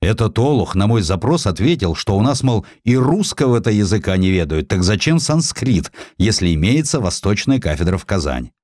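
A man voicing a blunt, patronizing count in audiobook dialogue, gruff and condescending. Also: on the low side, very animated, fairly quick, few pauses, a little mellow, no room sound, studio quality. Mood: irritated, advising.

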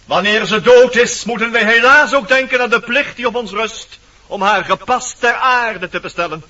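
An actor playing a prim, solemn, fussy dwarf in a radio play, speaking formally. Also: male voice, very high voice, normal speed, pushed and bright, exaggerated voice. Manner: formal, officious. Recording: muffled, noisy, distant old radio play.

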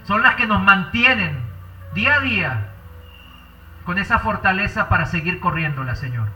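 A man preaching a sermon and leading a prayer, fervent, drawing out key words slowly. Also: high-pitched, big pitch swings, bright, forceful tone, faint music behind. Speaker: pastor. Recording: roomy echo, far from the mic.

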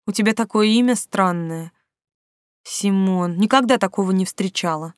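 A reader voicing a shy, curious young girl who asks eager questions in a slightly higher voice. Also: normal speed, no room sound, studio quality, lightly acted.

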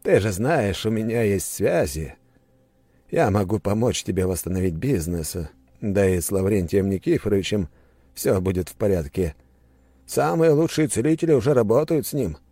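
A man's voice: on the low side, expressive, normal speed, mellow, no room sound, pitched above the performer's own voice. Brief: man playing a calculating middle-aged prince, soothing on the surface. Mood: smooth. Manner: falsely concerned, reassuring. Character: scheming, smooth-talking middle-aged prince. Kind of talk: audiobook character voice.

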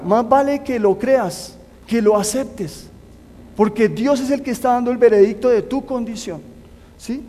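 A man's voice: very high voice, warm tone. A man preaching a sermon, earnestly urging his listeners to put their trust in God. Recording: long hall reverb.

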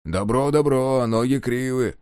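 A man voicing a carefree, sly young peasant charmer in a storybook, speaking lazily and unhurried. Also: mid-range voice, wildly swooping pitch, darkish tone, dry recording, studio quality. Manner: lazy, unhurried, mocking.

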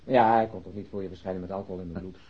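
A man's voice: low voice, steady tone, rapid-fire, slight background noise, close to an everyday voice. An actor playing a jovial middle-aged male detective in a naturalistic radio play, bantering and ironic. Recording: dull lo-fi radio recording.

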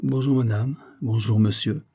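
A man voicing a proud, courteous old jeweller with a flattering, salesmanlike manner, in a storybook reading. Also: medium pitch, moderate pace, breathy edge, lightly acted. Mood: welcoming. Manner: obsequious, salesmanlike, ornate politeness.

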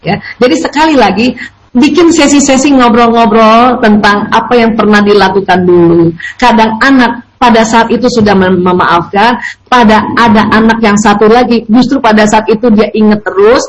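Middle-aged woman, religious parenting speaker, high and lively, animated storyteller. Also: normal speed, rough recording. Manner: animated, acts out parent and child dialogue. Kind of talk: religious talk answering a question.

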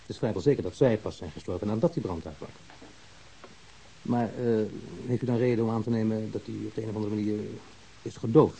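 A man playing a calm, matter-of-fact pathologist explaining findings in a Dutch radio drama. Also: on the low side, quick pace, lightly acted, rough recording. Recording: hissy old radio drama recording.

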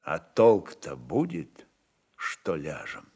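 A man narrating literary prose dramatically, in a brooding, deliberate manner with weighty pauses. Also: a bass voice, huge pitch swings, gravelly, darkish tone, breathy edge.

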